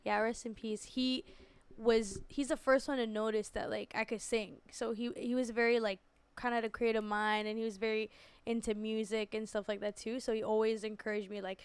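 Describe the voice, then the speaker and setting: In a podcast studio, a young Canadian woman who sings R&B talks casually with her host, laughing often and using plenty of fillers and "likes." Her voice is a little high, clear, and resonant, quick in pace, and recorded without echo.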